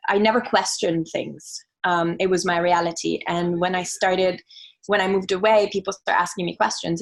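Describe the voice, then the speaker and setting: A young woman who grew up in Italy talks with old friends about her childhood. She thinks aloud, full of fillers and small restarts, relaxed and open. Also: mid-range voice. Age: young adult. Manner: reflective, chatty, lots of "like" and "um". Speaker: podcast guest. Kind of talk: casual conversation.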